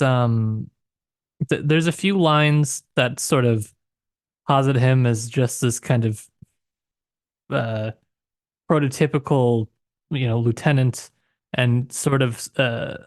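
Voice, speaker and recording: A man's voice: medium pitch, slow, no room sound, clean studio sound. A man co-hosting a casual literary discussion, analysing in a tentative, hedging way. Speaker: podcast co-host.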